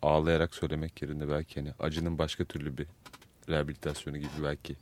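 A man's voice: extremely low pitch, monotone, fast, darkish tone, slight background noise. A man hosting a radio interview, asking thoughtful, probing questions. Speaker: radio host. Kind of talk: casual interview.

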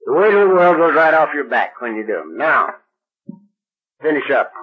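A man's voice: a little high, sing-song, moderate pace, breathy edge, narrow, tinny audio. An older man telling a recovery story to a meeting in a folksy, plain-spoken way, acting out the talk of the people in it.

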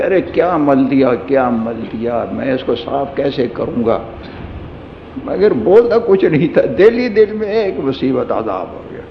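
A man's voice: mid-range voice, gravelly, slight background noise. A man giving a sermon, telling a humorous personal anecdote in a storytelling manner. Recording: echoey hall, dull lo-fi sound.

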